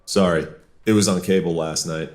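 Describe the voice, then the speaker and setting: An actor playing an easygoing, wisecracking police officer who keeps the peace, in an audio drama with colloquial, teasing dialogue. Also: male voice, sits low, fairly even intonation, moderate pace, slight background noise, lightly acted. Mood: wry. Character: easygoing male cop, wisecracking peacemaker among colleagues.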